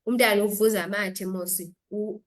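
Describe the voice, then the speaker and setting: A woman's voice: mid-range voice, steady tone, moderate pace. A woman doctor with a South African accent explaining health advice as an interview guest, instructive and switching between two languages.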